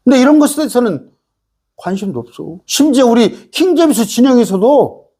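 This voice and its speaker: Animated, husky-voiced male pastor preaching. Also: extremely high pitch, normal speed. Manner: emphatic, rhetorical questions with frequent "eh?" asides. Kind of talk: sermon.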